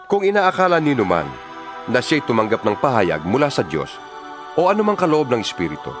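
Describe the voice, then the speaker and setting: Male, Filipino accent, actor as fervent preaching apostle in audio scripture drama; widely swinging intonation, clear music bed. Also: mid-range voice, natural voice. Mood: stern, instructing. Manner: earnest, emphatic, preacherly, deliberate phrasing. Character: impassioned male apostle exhorting his fellow believers by letter.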